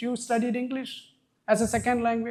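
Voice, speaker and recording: Talking at a moderate pace, a man with a Tamil accent uses a high pitch. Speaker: professor. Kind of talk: speech at a conference. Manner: animated.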